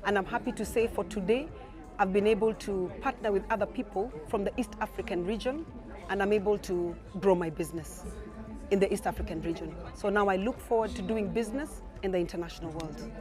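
A woman's voice: mid-range voice, brisk, over music. Upbeat Kenyan woman business founder. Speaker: company founder. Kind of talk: interview testimonial.

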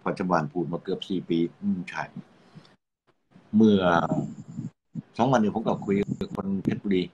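Low-voiced Rayong radio host. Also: male voice, normal speed, dark tone, lo-fi sound, slight background noise. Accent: Rayong Thai. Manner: musing, reads out listener comments. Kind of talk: casual radio chat.

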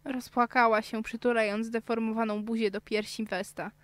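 A woman's voice: on the high side, flat delivery, normal speed, dry recording, soft background music. A young woman, a student voice actor, reading narration and chatting casually between takes in a small studio. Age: young adult. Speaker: student voice actor in a radio drama.

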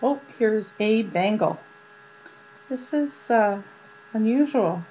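Slow-talking woman showing jewelry finds. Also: on the high side, animated, dark tone. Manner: slow and chatty, many ums and uhs. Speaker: jewelry vlogger. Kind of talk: casual show-and-tell. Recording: dull lo-fi sound with mains hum.

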